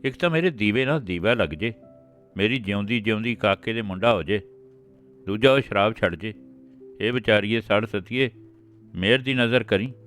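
A wailing older village grandmother, as a man puts her on in a storybook reading, her voice lifted a little above his usual low tone. She pleads and scolds in a louder, imploring way. Soft instrumental music plays faintly behind her. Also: moderate pace, long pauses, close to an everyday voice. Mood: pleading prayer.

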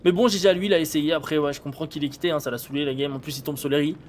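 A man's voice: a little high, fairly even intonation, very fast, a little hiss or hum. A man in his thirties thinking aloud in blunt, informal live gameplay commentary as a streamer. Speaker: game streamer. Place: indoor streaming setup.

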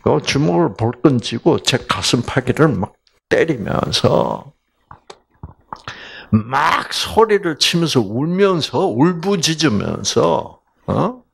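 A man giving a Bible lecture as a lively storyteller, asking the audience questions as he goes. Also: on the high side, takes it slowly, vocal fry, breathy edge.

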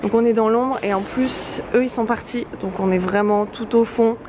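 A woman's voice: fairly high pitch, fairly even intonation, moderate pace. A young woman talking to a handheld camera in a casual, chatty, self-mocking way, laughing often as she walks through a busy convention hall. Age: young adult. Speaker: artist vlogger. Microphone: handheld camera at arm's length. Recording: noisy crowded convention hall. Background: loud crowd chatter.

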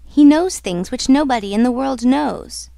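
A woman's voice: high-pitched, expressive, normal speed, creaky, warm tone, no room sound, clean studio sound. A woman voicing a fearful, earnest young female opera singer in a dramatic, pleading manner for a storybook.

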